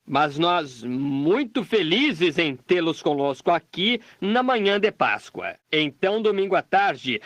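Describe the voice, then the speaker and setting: A man reading a dubbed sermon and prayer in a plain, measured preaching delivery with small restarts. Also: high voice, fairly bright tone, no room sound. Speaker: voice-over dubbing a preacher.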